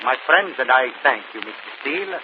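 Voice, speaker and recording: An actor playing a proud, gracious stage magician in a 1940s radio mystery, formal and courtly. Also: male voice, medium pitch, sing-song, fairly quick, noisy background, lightly acted. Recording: tinny muffled old radio broadcast.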